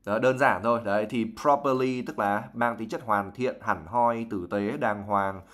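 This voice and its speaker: A man's voice: on the low side, moderate pace, fairly bright tone. A young Vietnamese man teaching English vocabulary on a live stream. He reads passages from a novel aloud and then explains each word at length, mixing English terms into his talk.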